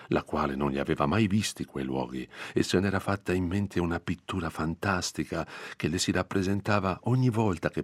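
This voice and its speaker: A man reading a classic novel aloud as an audiobook narrator, in steady, measured narration. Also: low-pitched, husky, dry recording.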